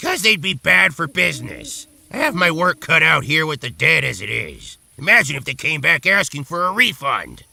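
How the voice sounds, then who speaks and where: Putting on a character voice, a man speaks at a moderate pace in a rumbling, fairly high tone. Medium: video game. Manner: sarcastic, grumbling.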